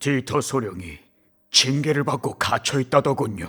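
A man puts on a character voice that is raspy and medium in pitch. He speaks at a moderate pace. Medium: audio drama. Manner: soft, confiding.

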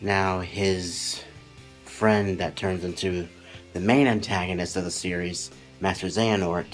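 A man speaks at a fairly slow pace in a very deep, low pitch with fairly even intonation. Music plays in the background. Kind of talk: casual talk to camera. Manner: flat, monotone.

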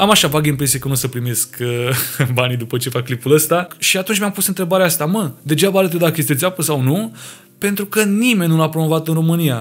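A man with a fairly high voice talks at a fairly quick pace with lively intonation. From Romania. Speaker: YouTuber. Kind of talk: casual vlog commentary. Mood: skeptical, warning tone. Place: home room. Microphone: studio mic.

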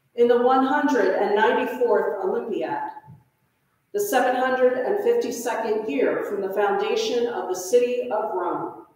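Amid strong room echo, a woman with a high voice speaks very slowly, her pitch swinging very widely. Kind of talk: liturgical reading. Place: church.

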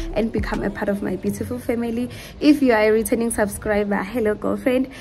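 A woman at a very fast pace over clear background music. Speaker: vlogger. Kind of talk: casual vlog chat. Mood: excited, chatty. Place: home room. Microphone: phone near.

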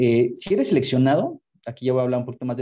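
Over a quiet background, a man with a dark, mellow tone speaks at a fairly quick pace with ordinary pitch variation. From Mexico. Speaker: former program fellow. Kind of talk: webinar talk. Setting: video call. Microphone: earbuds.

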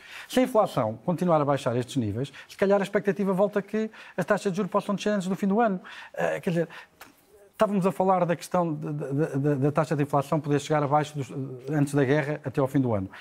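Words come from this man at a very fast clip. His pitch sits fairly high, and his intonation is lively. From Portugal. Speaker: economist; economics commentator. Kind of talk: TV news analysis. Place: studio. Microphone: lapel.

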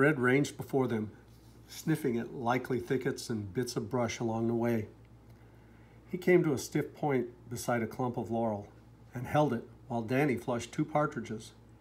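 At a moderate pace, a man with a medium pitch and ordinary pitch variation speaks in a dramatic tone with long, frequent pauses. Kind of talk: audiobook reading of a novel, narrated aloud. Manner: steady storyteller's pace, slightly dramatic with character voices.

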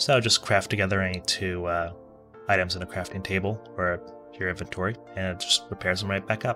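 A man talks at a fairly quick pace. Behind him, music can be heard. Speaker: game mod developer. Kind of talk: software update announcement. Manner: casual.

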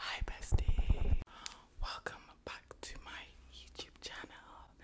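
A woman whispers in a relaxed tone. She speaks at a very slow pace. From London, England. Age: 20s. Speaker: makeup and ASMR content creator. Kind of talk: ASMR makeup tutorial talking to camera. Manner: quiet, soft-spoken, relaxed. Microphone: studio mic.

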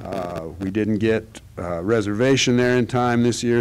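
A man is speaking. His pace is fairly slow. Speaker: presenter. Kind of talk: public meeting presentation. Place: hall. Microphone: podium.

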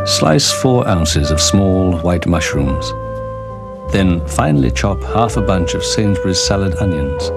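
A man talks at a fairly slow pace. Clear music sits in the background. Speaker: voiceover artist, actor. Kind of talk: TV commercial read, recipe instructions. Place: studio.

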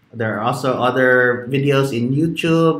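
In a room with audible echo, a man talks at a moderate pace with ordinary pitch variation. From Philippines. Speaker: quiz show host, cloud tech community; quiz show host. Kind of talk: quiz chat. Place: home room. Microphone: webcam.

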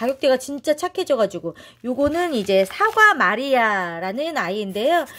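A woman speaks at a moderate pace in an animated, cheerful tone, her high voice making very wide pitch swings. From South Korea. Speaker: succulent plant channel host. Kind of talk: casual vlog unboxing chat. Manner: animated, chatty, cheerful. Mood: warm, delighted. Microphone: phone near.

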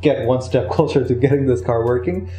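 Faint music plays in the background as a man talks at a very fast pace with audible room echo. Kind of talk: casual build vlog narration. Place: garage. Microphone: camera far.

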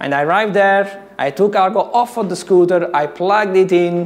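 A man is speaking. He has an Italian accent. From Italy, Naples. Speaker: conference speaker, tech leader. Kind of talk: conference talk. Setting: stage with audience. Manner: fast talker. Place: hall. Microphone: podium.

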